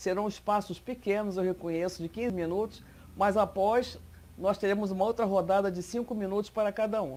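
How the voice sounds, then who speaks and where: A woman's dark, mellow voice with a Rio de Janeiro accent at a fairly quick pace. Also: medium pitch for a woman, fairly even intonation, very clean recording, silent background. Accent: Rio de Janeiro (carioca) accent, kept. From Rio de Janeiro, Brazil. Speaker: panel moderator. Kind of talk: panel moderation.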